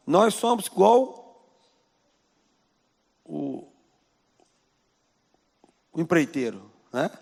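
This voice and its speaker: Brazilian pastor guy, slightly high gravelly voice, preaching, lots of "right?" questions, long church echo. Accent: Brazilian Portuguese. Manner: conversational preaching with rhetorical questions. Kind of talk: sermon. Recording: long church-hall reverb.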